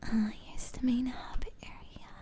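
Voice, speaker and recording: A woman hosting a gaming ASMR video in a soft, breathy whisper, speaking gently and a little hesitantly, close to the microphone. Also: unhurried. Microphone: close condenser microphones.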